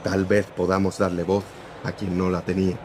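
A man's voice: deep voice, monotone, normal speed, noisy background, natural voice. An actor playing a firm, principled newspaper editor-in-chief who lectures his young reporter in a radio drama. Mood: earnest. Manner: firm, lecturing, morally serious.

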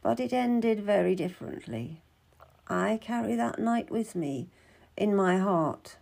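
A woman's voice: medium pitch, expressive, measured pace, vocal fry, a little mellow. A woman voicing a stern, secretive older midwife in a storybook, commanding and solemn in manner. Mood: sorrowful.

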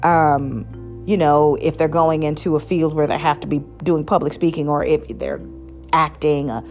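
A woman's voice: deep voice, little pitch movement, normal speed, a little mellow, soft background music. A woman hosting a casual solo podcast, chatting in a rambling way with many fillers and restarts. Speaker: podcast host.

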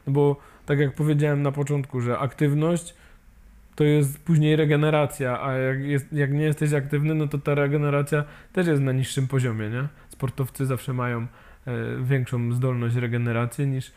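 A man speaks as an interview guest, casual and unpolished. His voice sits at an ordinary middle pitch, and he stumbles through restarts and fillers, often ending his thoughts with a quick tag question. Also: flat delivery, darkish tone. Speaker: guest, amputee peer support volunteer.

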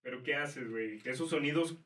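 A man's voice: medium pitch, brisk, fairly bright tone. A young man with a Mexican Spanish accent ribbing his friends with probing questions in casual chat. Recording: roomy, far from the mic, faint noise.

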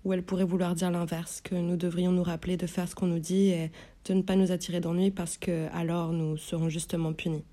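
A woman narrating a novel in first person, in a measured, inward, tense way. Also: fairly low pitch, level tone, warm tone. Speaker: audiobook narrator.

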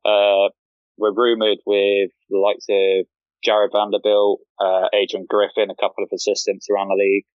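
A man from the UK speaks in a low, steady, rather flat voice, often repeating words as he gets going. His audio sounds dull and lo-fi, as if over a remote call, with a very dry sound. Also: normal speed, dry recording. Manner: hesitant, repeats words when starting. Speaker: podcast guest, fan account runner. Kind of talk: casual podcast chat.

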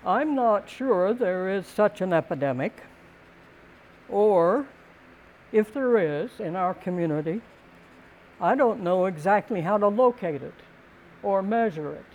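Slow, calm older woman giving a talk. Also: mid-range voice, lo-fi sound. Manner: deliberate, thoughtful phrasing with frequent pauses. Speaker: speaker giving a talk on community and housing. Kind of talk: prepared public talk.

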